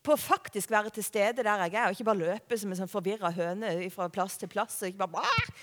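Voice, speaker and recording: A woman preaching a sermon in a conversational way, often asking the listeners questions. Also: medium pitch. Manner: conversational, warm-hearted preaching with rhetorical questions. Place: church hall. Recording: long hall reverb.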